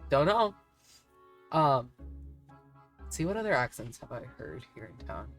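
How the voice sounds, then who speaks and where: This woman streamer's voice is very deep, and her delivery is very animated yet unhurried. She chats casually during gameplay, rambling and often laughing, with faint music in the background.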